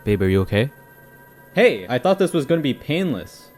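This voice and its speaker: A man's voice: medium pitch, big pitch swings, normal speed, darkish tone, soft background music. A young man playing a devoted, panicky boyfriend with casual, sarcastic asides in an audio roleplay. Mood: alarmed, protective. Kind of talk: ASMR audio roleplay acting.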